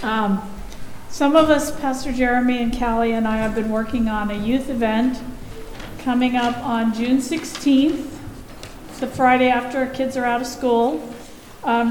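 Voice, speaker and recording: A woman's voice: a little high, darkish tone. A woman making a friendly announcement about a youth event at church. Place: church sanctuary. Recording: echoey church hall, faint noise.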